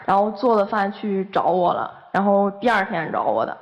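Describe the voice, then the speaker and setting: A woman's voice: medium pitch, very animated, moderate pace, muffled recording. A young woman, a guest airing heated, accusing complaints about her boyfriend. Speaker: guest on dating show.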